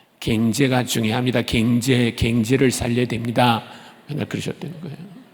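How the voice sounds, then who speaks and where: At a moderate pace, a man speaks with vocal fry. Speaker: missionary preacher. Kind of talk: sermon.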